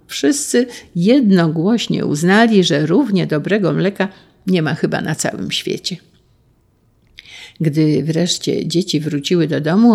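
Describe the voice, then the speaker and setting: A narrator reading a children's storybook in an even, unhurried way. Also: mid-range voice, creaky.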